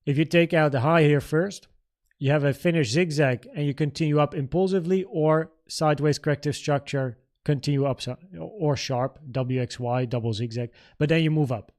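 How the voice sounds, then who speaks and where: A man's voice: a little high, normal speed, a little mellow. A man from the Netherlands, a native Dutch speaker in his thirties, hosting a casual trading livestream, informally thinking aloud as he takes viewer questions. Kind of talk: casual livestream Q&A and market commentary.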